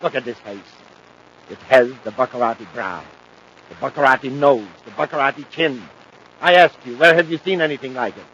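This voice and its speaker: An actor playing a vain, imperious aristocratic villain in a 1950s radio adventure, pompous, grandiose and theatrical. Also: male voice, mid-range voice, normal speed, fairly bright tone, close to an everyday voice. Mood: haughty, vain. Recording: muffled, noisy 1950s radio recording.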